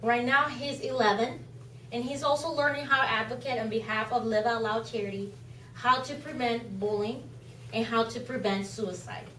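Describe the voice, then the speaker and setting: A woman's voice: on the high side, fairly even intonation, moderate pace, a bit bright, slight background noise. A woman whose first language is Spanish, giving an earnest, impassioned charity talk to a club. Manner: earnest, impassioned, repeats phrases. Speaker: charity speaker. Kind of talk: club presentation speech. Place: meeting room. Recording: echoey room from far off.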